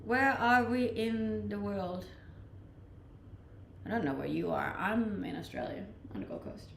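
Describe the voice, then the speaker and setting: She's a young Danish streamer reading live comments, chatting in a relaxed way and laughing often. Her medium-pitched voice has vocal fry and a measured pace, with a slight Danish accent that living abroad has mixed. Echo and faint ambient noise fill the room.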